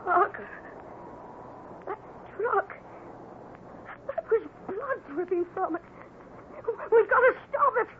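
A high pitched american cowboy kid, impatient and excitable, old crackly radio western, tinny sound. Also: male voice, slow, long pauses, exaggerated voice. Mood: alarmed, impatient. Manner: excitable, urgent, exclamatory. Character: eager, impatient boy cowboy hero. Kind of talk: old-time radio adventure acting. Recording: noisy, narrow-band old radio recording.

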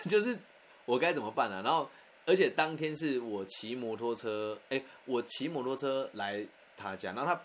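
A man telling a personal anecdote in a candid, animated, conversational way. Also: medium pitch, slight background noise. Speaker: storyteller.

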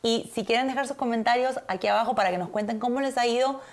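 A woman from Argentina, co-hosting a podcast in casual chat with her husband, animated and emphatic. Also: a little high, quick pace. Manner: animated, emphatic, repeats words for effect. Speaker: podcast co-host.

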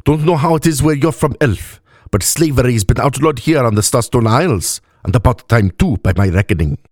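A man voicing a friendly, forthright tavern woman with an invented accent of deep vowels and sharp consonants. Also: animated, fairly quick, no echo, clean studio sound, natural voice. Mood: friendly, firm. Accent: invented fantasy accent with deep vowels, sharp consonants. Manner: firm, friendly.

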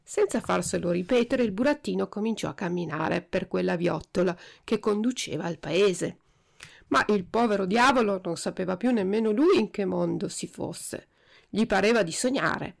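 A woman narrating a storybook with an expressive, steady delivery. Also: medium pitch, normal speed, vocal fry. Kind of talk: storybook reading.

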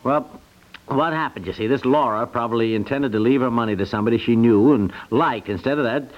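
A man with an American accent playing an excitable, wry, plain-spoken husband in a 1950s radio domestic comedy. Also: medium pitch, brisk, close to an everyday voice. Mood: matter-of-fact. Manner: exclaiming, folksy. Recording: dull 1950s radio recording.

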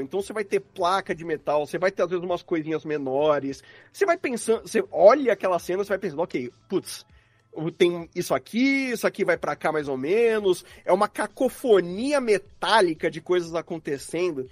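A Brazilian-accented man with a high, expressive voice chats casually as a guest sound designer, talking a little fast as he explains his craft and acts out his thought process. It's a relaxed interview about his work, recorded dry.

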